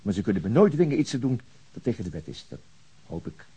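An actor playing a weary, principled veteran policeman in a radio drama, brooding and halting as he searches for words. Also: fairly low pitch, big pitch swings, mellow, breathy edge, exaggerated voice. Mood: weary, reflective. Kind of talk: naturalistic Dutch radio drama acting.

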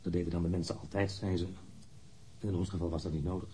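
Guy acting radio play witness in his 30s, low mellow husky voice, blunt and precise, totally matter of fact. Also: little pitch movement, quick pace, slight background noise, natural voice. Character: jealous male ex-lover, blunt, candid police witness. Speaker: witness under questioning. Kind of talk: radio drama interrogation acting.

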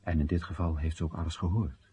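A man's voice: a bass voice, steady tone, fast, dark tone, slight background noise. An actor playing an exasperated, ironic Chinese citizen addressing his comrades in emphatic short phrases, in a theatrical radio play monologue. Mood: hushed, intimate.

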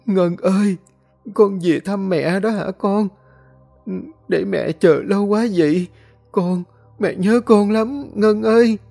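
A man's voice: high voice, slow, gravelly, dark tone, faint music behind, pitched above the performer's own voice, heavily acted. A man voicing a grief-stricken village mother, sobbing and pleading in a storybook tale.

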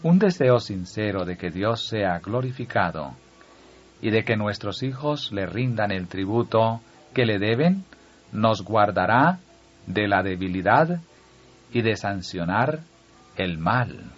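A man reading a devotional text aloud at a slow, measured pace, letting phrase ends fall. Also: on the low side, animated. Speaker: audiobook reader. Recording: dull lo-fi audio with faint music.

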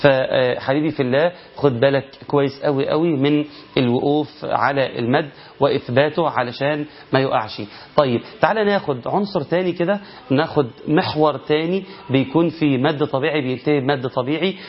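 A man with an Egyptian accent teaching Quran recitation, asking rhetorical questions and chanting drawn-out verses to show the rules. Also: fairly high pitch. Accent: Egyptian Arabic. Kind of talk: recitation lesson. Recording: lo-fi muffled recording.

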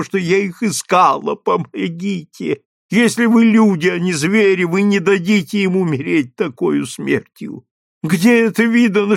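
A man's voice: high-pitched, creaky, no room sound, studio quality, pitched above the performer's own voice, exaggerated voice. A man voicing a wailing, desperate mother. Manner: wailing, pleading cries. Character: desperate peasant mother pleading for her children.

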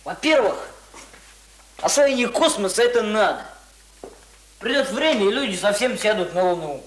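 An actor in a radio play playing a plain-spoken, cocky young village student explaining things simply. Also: male voice, sits high, animated, normal speed, slight background noise. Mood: earnest, confident. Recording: roomy, echoing radio drama recording.

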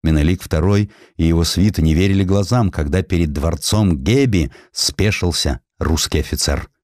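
A man narrating a historical story in an expressive, theatrical storytelling manner. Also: low-pitched, normal speed, dry recording, studio quality. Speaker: audiobook narrator.

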